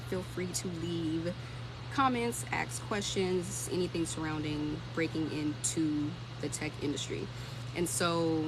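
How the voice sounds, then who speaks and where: Thirty-year-old woman chatting casually, noisy background. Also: sits low. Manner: informal, conversational, thinking aloud. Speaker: livestream host and tech career content creator. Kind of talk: casual livestream chat, answering comments.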